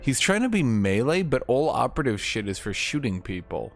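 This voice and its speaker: A man's voice: medium pitch, very animated, brisk. A man streaming a game with casual live commentary, griping and swearing in exasperation. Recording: game music behind the voice. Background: video game music.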